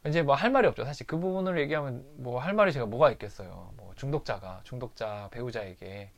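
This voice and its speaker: A man's voice: medium pitch, quick pace, creaky. A man candidly recounting a fight with his wife in a personal recovery diary monologue. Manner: candid, confessional storytelling.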